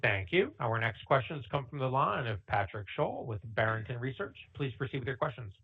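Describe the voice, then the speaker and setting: Husky male operator on a phone line. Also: medium pitch, sing-song, fairly quick. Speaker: conference call operator. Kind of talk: scripted call announcements.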